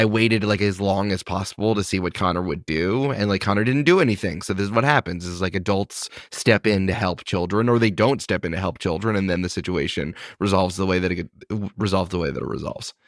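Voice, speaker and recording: A man's voice: sits low, a bit bright, dry recording, clean studio sound. A man in his thirties, a podcast host and game master, talking in a reflective, thinking-aloud way in casual chat. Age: 30s.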